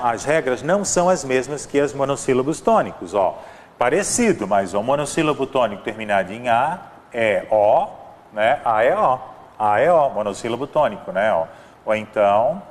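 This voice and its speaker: A Brazilian Portuguese-accented man with a medium-pitched voice gives an exam-prep grammar lesson in a large hall. He explains by repeating examples, frequently checking in with "né?" and using "ó".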